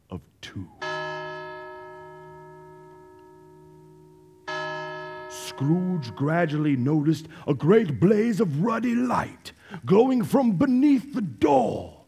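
A man playing a storybook narrator in a staged radio play, telling the tale in an expressive, drawn-out, dramatic way. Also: on the high side, creaky, slightly rough, heavily acted. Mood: hushed, suspenseful. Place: theater stage. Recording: live stage recording with music underneath.

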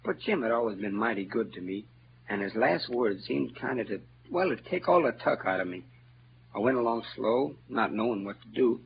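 A man's voice: on the high side, sing-song, brisk, slight background noise. An actor playing Huck, a clever boastful frontier boy with a rural Southern dialect, in an old-time radio drama. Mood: troubled. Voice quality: bright, showy, know-it-all delivery. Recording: dull lo-fi old radio recording with music.

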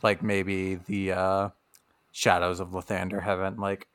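A man's voice: deep voice, flat delivery, measured pace, fairly bright tone, clear, resonant tone. A man chatting casually on a podcast as the game master, rambling with lots of fillers. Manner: rambling, filler-heavy, laughs often.

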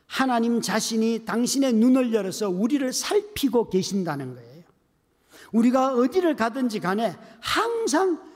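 A middle-aged male pastor preaching at a revival, dropping to hushed whispers and rising to loud pleading cries. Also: sits high. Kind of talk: revival sermon. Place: church sanctuary. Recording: long hall reverb.

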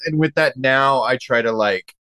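A man playing a tabletop roleplaying game, chatting casually in a loud, excitable manner. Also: mid-range voice, normal speed, noisy background. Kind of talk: casual in-character game chat.

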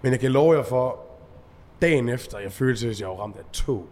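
A man telling stories in a casual podcast chat, animated and acting out shouted quotes. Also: medium pitch, long reverb tail. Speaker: event organizer.

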